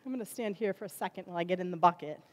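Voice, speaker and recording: A woman's voice: lowish voice, rapid-fire. A woman in her forties, a children's ministry director, giving a chatty object lesson sermon from a church stage with lots of fillers.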